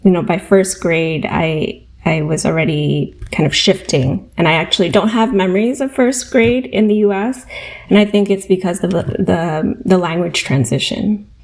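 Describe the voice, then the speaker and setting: A woman's voice: lowish voice, a little mellow, low-quality recording. Reflective woman podcast guest. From United States (New Jersey). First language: Vietnamese. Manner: reflective, measured storytelling with fillers. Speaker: guest educator. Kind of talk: podcast interview.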